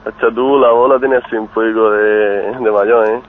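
A lowish male voice on a tinny phone line, bluntly asking who is calling. He answers in short, slangy, suspicious replies. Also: steady tone, normal speed. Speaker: prank call target.

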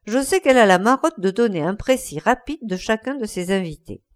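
Earnest young painter, reflective, expressive melody , read by a woman. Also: mid-range voice, brisk, natural voice.

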